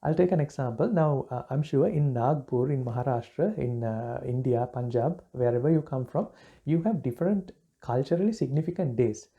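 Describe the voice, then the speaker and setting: A man from Sri Lanka, a Buddhist monk giving a relaxed dharma talk, pausing often with fillers and restarts. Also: medium pitch, phone-quality sound. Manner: halting, many fillers and restarts.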